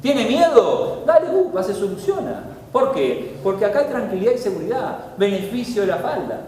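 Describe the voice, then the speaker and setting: A man with a Uruguayan accent preaching a sermon as pastor, emphatic, swinging between loud pleas and soft low asides. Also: big pitch swings, normal speed. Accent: Uruguayan Spanish. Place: church hall. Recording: echoey hall with faint noise.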